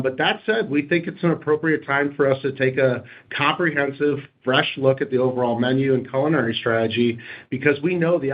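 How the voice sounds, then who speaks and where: Exec guy on earnings call, measured corporate talk, average pitch, kinda muffled lo-fi audio. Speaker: company executive on an earnings call. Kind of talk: prepared remarks and corporate question answering. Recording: dull, lo-fi conference call audio.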